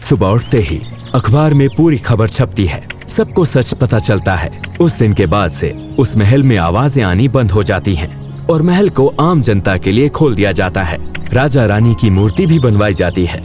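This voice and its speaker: A man's voice: lowish voice, very animated, normal speed, darkish tone, soft background music. A man reading a scripted spooky bedtime story as its narrator.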